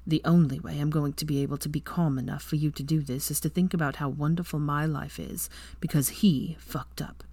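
A woman voicing a young adult male wizard who is protective and possessive, speaking low and hushed. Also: fairly even intonation, fairly quick, hardly any pauses, husky, no echo.

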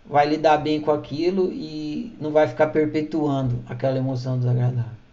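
A man's voice: a little high, level tone, a little fast, dark tone. A man giving a conversational spiritual teaching, explaining with everyday examples and acting out quoted lines. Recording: muffled lo-fi recording.

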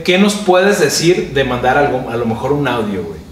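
A man's voice: mid-range voice, big pitch swings, normal speed. Young Mexican male co-host, joking and slangy, in a roomy space some distance from the mic. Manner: joking, slangy, lots of fillers. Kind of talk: casual chat.

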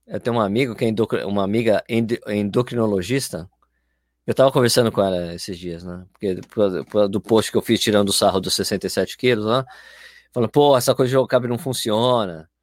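A man's voice: on the low side, quick pace, no room sound. A man chatting casually and animatedly, talking in loose run-on phrases full of fillers. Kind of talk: casual chat.

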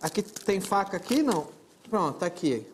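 A man's voice: high voice, very animated, moderate pace, slight background noise. A man hosting a talk show, joking and teasing his guest. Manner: playful, teasing, jokey.

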